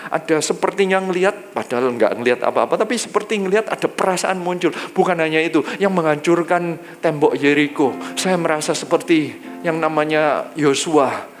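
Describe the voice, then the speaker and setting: A male pastor, telling a personal testimony in a sermon, lively and drawn-out when he quotes. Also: faint music behind. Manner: lively storytelling, drops low and slow when quoting God.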